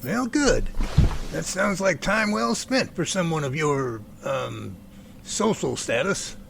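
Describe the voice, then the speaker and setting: A man's voice: a little high, very animated, takes it slowly, creaky, a bit bright, a little hiss or hum, exaggerated voice. A man playing a genial middle-aged professor in an amateur audio drama, with courteous, folksy phrasing. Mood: friendly. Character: genial middle-aged professor running a Bigfoot research center.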